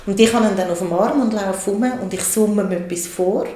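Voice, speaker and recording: A woman with a Swiss German accent talks calmly about babies and their needs. Her voice is mellow and warm, and she sounds patient and explanatory. The room around her has a noticeable echo. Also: mid-range voice, fairly quick. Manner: calm, explanatory, acts out soothing words to a baby. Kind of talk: casual conversation.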